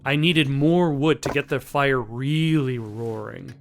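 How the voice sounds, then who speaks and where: A man playing a video game who reads its text aloud in a plain, measured way, with casual asides. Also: mid-range voice, creaky, a little hiss or hum. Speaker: let's play host.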